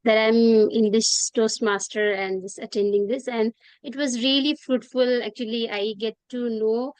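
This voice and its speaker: Nepali woman, fairly high smooth voice, lots of ums, dry call audio. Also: fairly even intonation, a little slow, a little mellow, no room sound, low-quality recording. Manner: hesitant, many fillers. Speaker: first-time meeting guest. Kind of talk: casual online meeting comments. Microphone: video call.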